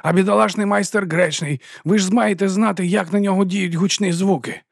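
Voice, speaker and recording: A male narrator voicing a petty, furious official who scolds and gives orders in a shrill, imperious tone. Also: fairly even intonation, brisk, vocal fry, no echo, clean studio sound. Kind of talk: audiobook character voice.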